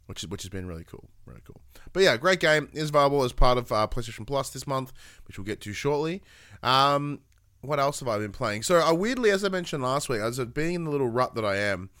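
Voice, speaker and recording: Podcast guy rambling about games, lowish smooth voice, dry close mic. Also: fairly bright tone, no room sound. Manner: rambling, upbeat, lots of fillers and restarts. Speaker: podcast co-host. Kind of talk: casual gaming podcast chat.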